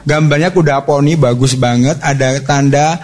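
A man giving a parenting seminar to mothers, telling family stories in a lively, conversational way and speaking straight to his audience. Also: medium pitch, moderate pace. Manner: lively storytelling, acts out family dialogue; conversational, addresses audience directly.

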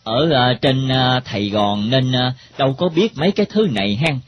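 An actor playing a teasing older rural uncle with a Southern Vietnamese accent, folksy and full of hesitant fillers. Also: male voice, medium pitch, lively intonation, moderate pace, a little hiss or hum, natural voice. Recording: dull lo-fi recording.

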